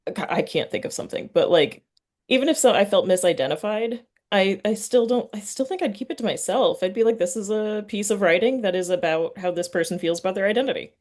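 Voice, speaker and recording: A woman hosting a podcast, talking in an informal, halting, slangy way through chat and announcements. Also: medium pitch, darkish tone. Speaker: podcast host. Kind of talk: casual chatty interview and announcements.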